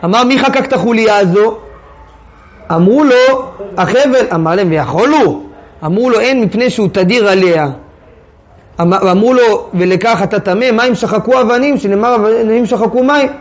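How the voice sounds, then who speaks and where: A man teaches a Torah text-study class, reading sources aloud and then explaining them in casual everyday speech. His voice is high-pitched and the audio sounds dull.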